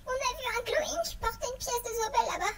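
Woman voicing a tiny, high, meek mask creature. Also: brisk. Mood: timid worry. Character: meek, sad female theatre-mask creature. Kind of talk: animated cartoon fan dub acting. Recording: loud music over quiet voice.

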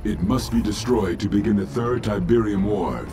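An actor voicing an impassive military battle computer in a video game, giving clipped, matter-of-fact announcements. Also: male voice, on the low side, normal speed, lightly acted. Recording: loud music over game battle noise.

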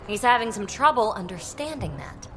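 A woman's voice: a little high, big pitch swings, moderate pace, bright, forceful tone. A woman playing an impulsive, guarded, wry young alien adventurer in a video game, with breezy, sardonic delivery. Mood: playful, coaxing. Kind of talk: video game dialogue acting.

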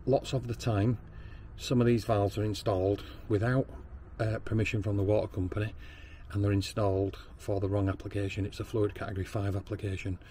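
A man's voice: on the low side, level tone, fairly quick, mellow, a little hiss or hum. A man with a Northern English accent giving a practical plumbing training demonstration at a workshop bench, explaining step by step with frequent ums and restarts. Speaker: plumber and backflow tester.

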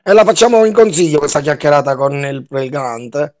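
A man's voice: a little high, animated, brisk, a little mellow. A man with a Sicilian accent who drops in dialect words, chairing a council meeting informally on a video call.

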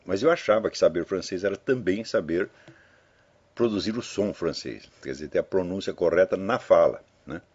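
A man's voice: deep voice, expressive, normal speed, darkish tone, breathy edge. An older man giving casual, rambling spoken commentary to his listeners, telling anecdotes and dropping in frequent tag questions. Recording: dull lo-fi audio.

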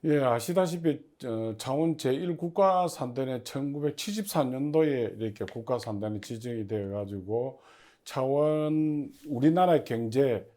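A man giving formal, prepared interview answers as an agency official, in measured and stiffly official phrasing. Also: medium pitch, mellow. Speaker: head of a public industry agency, interview guest.

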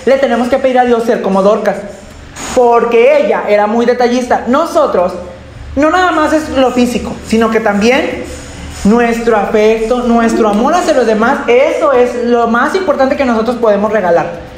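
A woman's voice: a little high, moderate pace. A young woman with a Mexican accent hosting a Christian children's show. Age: young adult. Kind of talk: lively hosting and leading prayer for children. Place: indoor TV-style studio set. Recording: echoey studio, some background noise.

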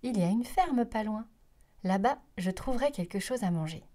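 Woman doing a grumbly show-off big bad wolf, mellow voice, storybook style. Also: medium pitch, expressive, normal speed, close to an everyday voice. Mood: weary. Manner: grumbling, boastful. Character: big bad male wolf, hungry and proud.

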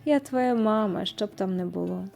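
Woman doing an old granny from a storybook, firm and then soft, mellow. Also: mid-range voice, moderate pace, vocal fry, soft background music, lightly acted. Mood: consoling. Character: old grandmother, calm and commanding.

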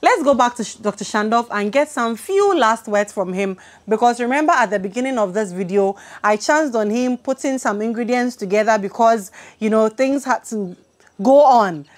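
A woman's voice: a little high, lively intonation, moderate pace. A young woman hosts a farming channel, interviewing a guest and speaking to viewers with enthusiasm, recorded outdoors on a lapel mic. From Ghana. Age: young adult. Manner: enthusiastic, frequent affirmations. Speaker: channel host. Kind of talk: interview and presenting to camera. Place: outdoor terrace with hills behind.

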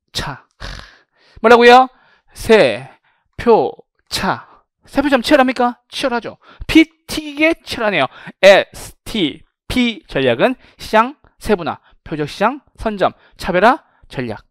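A man lecturing for a real estate exam prep course, animated, who keeps asking the class rhetorical questions and answering them himself. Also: a little high, dry recording, clean studio sound.

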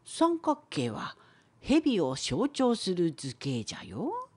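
A woman plays a wise old scholar in an educational cartoon, creaky and husky. The pitch sits fairly low but swings very widely. The delivery is unhurried and slow, a patient, wry, opinionated lecture. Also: wildly swooping pitch, darkish tone, heavily acted. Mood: explaining. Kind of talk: scripted educational cartoon dialogue.

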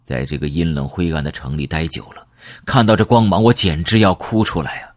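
A man's voice: a bass voice, fairly quick, no room sound. A man reading a novel aloud in dramatic first person, telling the story vividly and expressively into a close mic. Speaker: audiobook narrator.

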